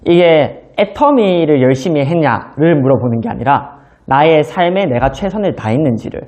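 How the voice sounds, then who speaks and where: A man in his thirties gives a motivational seminar talk. His voice sits a little high but sounds mellow and soft. He tells his own story to the audience in an easy, conversational way. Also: expressive, moderate pace. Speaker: business seminar speaker. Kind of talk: motivational lecture.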